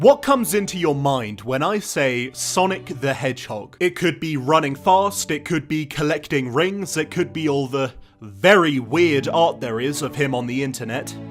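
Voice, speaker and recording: A man talks with hardly any pauses while music plays in the background. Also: fairly high pitch for a man, ordinary pitch variation, moderate pace. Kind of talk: comedic game review.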